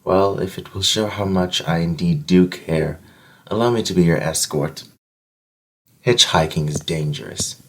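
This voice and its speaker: A man playing a loyal, chivalrous nobleman in an audio drama, soft and husky, speaking with courteous, earnest, old-fashioned phrasing. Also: deep voice, unhurried, exaggerated voice. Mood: tender, earnest. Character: gentle, loyal, chivalrous nobleman, protective and solemn.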